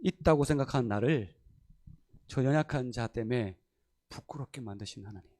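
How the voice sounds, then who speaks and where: Here a pastor of medium pitch and normal speed tells stories during a sermon in the sanctuary. Lively and often laughing, he acts out what the people in his stories say.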